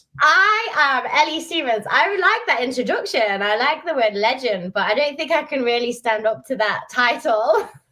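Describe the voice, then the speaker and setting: A woman with an English accent speaks at a high pitch and moderate pace, her raised, projected voice making very wide pitch swings. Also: hardly any pauses. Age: 40s. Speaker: masters runner and coach. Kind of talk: casual interview chat.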